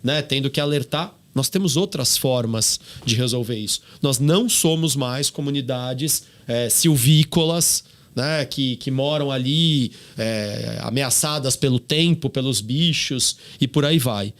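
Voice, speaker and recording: A man's voice: medium pitch, measured pace, fairly bright tone. A man with a Brazilian Portuguese accent, speaking emphatically as a guest on a podcast and asking rhetorical questions. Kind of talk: podcast discussion.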